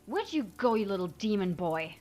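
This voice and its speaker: A contemptuous supernatural villainess, played by a woman in an audio drama. Her delivery swings widely in pitch, theatrical and full of mock politeness. Music plays clearly behind her. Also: big pitch swings, normal speed, darkish tone, close to an everyday voice. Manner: taunting, theatrical, mockingly polite. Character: menacing female cryptid villain, haughty, contemptuous.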